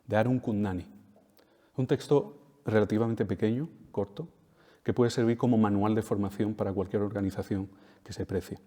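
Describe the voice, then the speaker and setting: In a reverberant hall, a Spanish-speaking man gives a lecture to an audience at a talk, his voice on the low side, mellow, and fairly even, at a moderate pace. He's emphatic, repeating key phrases and checking in with tag questions.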